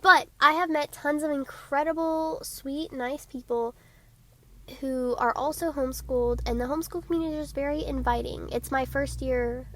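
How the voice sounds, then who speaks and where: A woman's voice: high voice, steady tone, a bit bright. A teenage girl from Georgia hosting her own podcast, chatting in an eager, bubbly way with a stuffy nose. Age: teens. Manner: bubbly, eager, talks quickly. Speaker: podcast host. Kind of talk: casual solo podcast chat.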